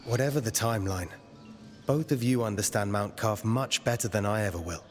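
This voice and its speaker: A man's voice: lowish voice, a little fast, lightly acted. Man playing an earnest warrior in a reverberant space. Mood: wry, skeptical. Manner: earnest, questioning, dry. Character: earnest young male warrior, curious, dryly skeptical. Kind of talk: video game dialogue. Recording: long reverb, faint music behind.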